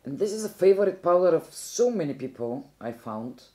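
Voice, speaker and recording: A woman's voice: on the low side, big pitch swings, moderate pace, mellow, low-quality recording. A young woman from Bulgaria with a Bulgarian accent, chatting casually through a makeup tutorial and often correcting herself mid-sentence. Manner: chatty, rambling, self-correcting. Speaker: beauty vlogger.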